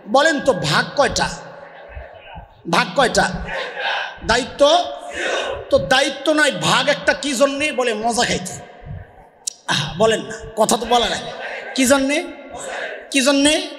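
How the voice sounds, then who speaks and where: Impassioned high-voiced preacher, booming echo. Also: male voice. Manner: impassioned, drills crowd with repeated questions, shouting. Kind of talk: call-and-response sermon. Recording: echoey public address sound with long reverb.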